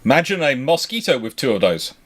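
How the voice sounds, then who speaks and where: A man's voice: medium pitch, sing-song, a little fast, a bit bright. A man hosting an unscripted history discussion, talking discursively and emphatically and often correcting himself. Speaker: naval history show host.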